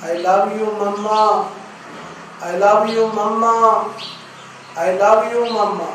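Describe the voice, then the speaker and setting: A soft-spoken man with a high pitch talks at a very slow pace in a soothing tone, with fairly even intonation and long, frequent pauses. Strong room echo surrounds him, along with light background noise. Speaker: priest leading meditation. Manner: slow, soft, soothing, repetitive and measured. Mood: calm, soothing, repetitive. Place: hall.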